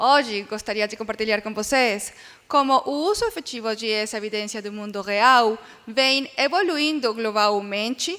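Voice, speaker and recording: With a Spanish accent and a bright, sharp tone, a woman speaks at a moderate pace and fairly high pitch with ordinary pitch variation. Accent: Spanish-accented Portuguese (portunhol). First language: Spanish (speaking Portuguese). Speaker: industry regulatory expert, panel speaker. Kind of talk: conference presentation. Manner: formal.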